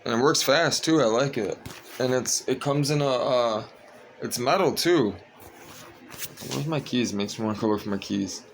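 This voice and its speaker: Sleepy young guy vlogging from home, flat and meandering, with a faint hiss under the voice. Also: medium pitch, normal speed. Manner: monotone, meandering, frequent fillers. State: tired, sleepy. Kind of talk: casual rambling vlog.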